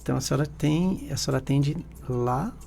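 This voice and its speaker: Male radio host, gravelly and mellow, formal and measured. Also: medium pitch, soft background music. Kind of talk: radio interview. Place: radio studio.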